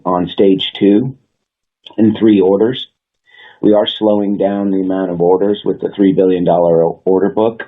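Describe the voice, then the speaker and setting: Very deep-voiced man on a phone line. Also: breathy edge. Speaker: company executive. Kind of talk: prepared earnings call remarks. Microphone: conference call line. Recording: muffled, phone-like conference call line.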